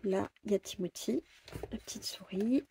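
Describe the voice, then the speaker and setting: Chatty French-speaking woman, gravelly dark voice. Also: medium pitch, moderate pace, a little hiss or hum. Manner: chatty, hesitant, many fillers and repeats. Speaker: coloring vlogger. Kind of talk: casual chat about coloring plans.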